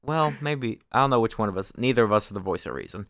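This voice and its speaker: A young man co-hosting a podcast in casual chat, enthusiastic and quick to jump in. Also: fairly low pitch, lively intonation, gravelly, a bit bright. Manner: enthusiastic, chimes in often. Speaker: podcast co-host.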